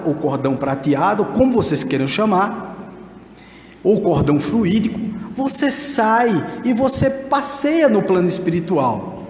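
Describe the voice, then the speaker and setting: A man's voice: sits high, a little mellow. A man giving a spiritist lecture from a pulpit, speaking earnestly and directly to the audience. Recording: echoey hall with long reverb.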